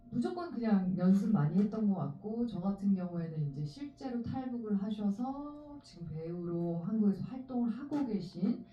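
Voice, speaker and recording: An actress at a film Q&A talks frankly and chattily about her preparation, with many fillers, recorded from the audience in a cinema. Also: medium pitch. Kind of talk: panel Q&A answer. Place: cinema auditorium. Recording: distant echoey lo-fi audience recording.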